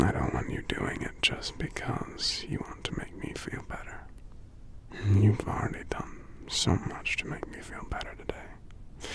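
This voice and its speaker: A man voicing a gentle, congested giant lover in an intimate ASMR roleplay, murmuring softly and tenderly with small hums between phrases. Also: fairly low pitch, full character voice. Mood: grateful, tender. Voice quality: congested, stuffy, breathy half-whisper. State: congested from a cold. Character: gentle sick male giant, tender romantic partner.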